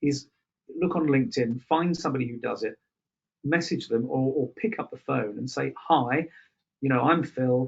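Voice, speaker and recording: A somewhat breathy man with an English accent, fairly high in pitch, at a moderate pace with ordinary pitch variation and long, frequent pauses. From England. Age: 50s. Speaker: maritime industry executive. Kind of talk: webinar Q&A. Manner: halting, many fillers and repeats.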